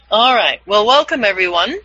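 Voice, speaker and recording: A man in his fifties, a voiceover coach leading an online class, upbeat and quick to laugh. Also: sits high, lively intonation, sharp tone, a little hiss or hum. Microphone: video call. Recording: dull, lo-fi video call audio.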